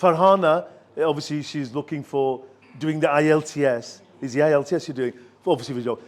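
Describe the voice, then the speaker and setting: Brief older English man, slightly high voice, quick and chatty, jokey counselor addressing students. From England. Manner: chatty and joking, filler-heavy, switching between English and Bengali. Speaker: visiting education counselor and professor. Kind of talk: informal talk to students.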